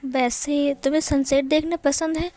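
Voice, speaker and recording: A woman's voice: high-pitched, steady tone, normal speed, warm tone, natural voice. Woman reading as an easygoing, friendly young man. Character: calm friendly young man who loves math. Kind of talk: amateur fan-fiction reading.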